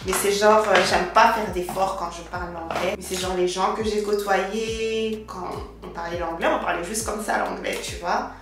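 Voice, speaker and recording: Doing her makeup on camera, this young beauty vlogger talks to viewers in a casual, slangy, direct style, using French mixed with English loanwords. Her medium-pitched voice stays steady at a normal pace, with hardly any pauses. Background noise is present, and the room echoes around a distant microphone.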